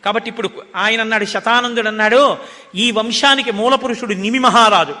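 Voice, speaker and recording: An older man with a Telugu accent giving a devotional discourse, telling a sacred story and chanting Sanskrit verses slowly. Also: high-pitched, bright, forceful tone. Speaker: religious discourse speaker. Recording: long hall reverb.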